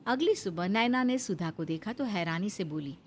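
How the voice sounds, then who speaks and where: A woman narrating a cartoon story in a calm, scripted storytelling manner. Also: mid-range voice, moderate pace, a little hiss or hum.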